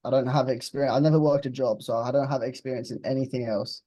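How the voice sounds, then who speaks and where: A man's voice: mid-range voice, steady tone, quick pace, warm tone, dry recording. A man of twenty in a casual interview, talking bluntly and laid-back, dropping the odd swear word. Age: 20s. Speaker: interviewed client.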